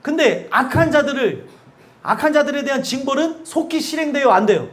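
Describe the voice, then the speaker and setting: A male pastor preaching a sermon in a church, animated, asking the congregation questions and laughing between points. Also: very high voice, a little fast. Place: church sanctuary.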